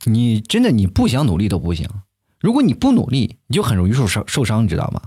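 A young man hosting a comic talk show, telling stories with animated delivery and acting out the people he quotes in a high voice. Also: fast talker, husky. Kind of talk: stand-up style comic monologue.

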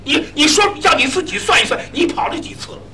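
A man puts on a rich old matriarch, sharp-tongued and scornful, who scolds in a very high, bright and lively voice. It is a comic crosstalk routine, picked up from some distance. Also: brisk, soft background music, exaggerated voice. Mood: scolding.

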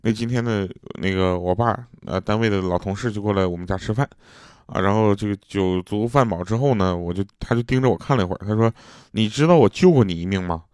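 A man's voice: fairly low pitch, fairly even intonation, fast, darkish tone, clear, resonant tone, no echo, studio quality. A man tells comic everyday anecdotes in a chatty way, laughing at his own jokes and putting on voices for the quoted people. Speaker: comic storyteller. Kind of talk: casual joke-telling monologue.

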